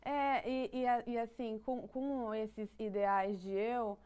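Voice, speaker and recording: A woman's voice: fairly high pitch, fairly even intonation, takes it slowly, warm tone, clear, resonant tone. A woman with a Brazilian Portuguese accent explaining psychology ideas in conversation, thoughtful, with frequent restarts and light laughs. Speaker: psychology guest.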